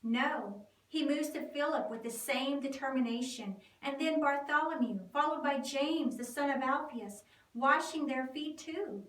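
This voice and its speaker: A woman reading a dramatic scripted narration in deliberate, storytelling phrases. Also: high voice, a bit bright. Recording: echoey room, distant mic.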